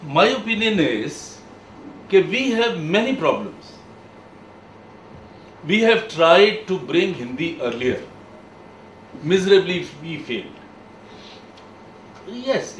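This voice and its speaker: A man, giving firm, opinionated views in a group discussion, speaking with pauses and emphasis. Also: high voice, very animated, fairly bright tone, slight background noise. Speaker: panel discussant. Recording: echoey room, distant mic, faint background.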